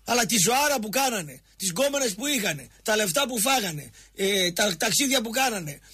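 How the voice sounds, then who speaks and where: A Greek man rants on a radio talk show, pressing hard and circling back to the same jabs at a co-host. His voice sits high and a little husky. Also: lively intonation, pushed and bright. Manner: impassioned, repetitive, jabbing at a co-host.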